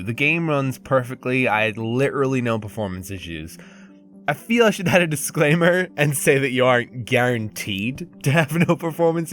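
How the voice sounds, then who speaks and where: A man's voice: mid-range voice, fairly bright tone. A man narrating a scripted video game review in a conversational, candid and wry manner.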